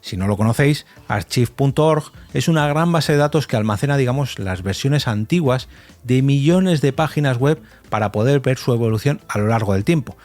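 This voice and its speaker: A man's voice: medium pitch, expressive, brisk, darkish tone. A man from hosting a solo podcast in an informal, conversational, somewhat hesitant way that repeats words. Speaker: podcast host.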